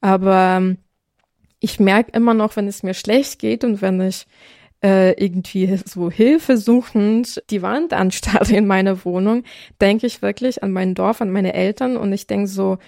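A woman's voice: mid-range voice, measured pace, creaky, a little mellow, no room sound, clean studio sound. A young woman from Ukraine, co-hosting a podcast, talking things through in a reflective, casual way with many fillers. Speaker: podcast co-host. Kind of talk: casual conversation.

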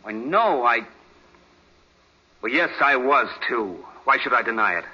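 A man's voice: medium pitch, animated, measured pace, sharp tone, breathy edge, heavily acted. An American actor playing a bitter, boastful, resentful young man in a 1940s radio drama. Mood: defensive. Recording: muffled vintage 1940s radio recording.

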